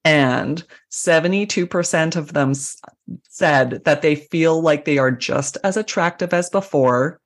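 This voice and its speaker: A woman's voice: low-pitched, a little slow. A woman in her forties co-hosting a casual health podcast, talking informally and often circling back over her words. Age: 40s. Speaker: podcast co-host.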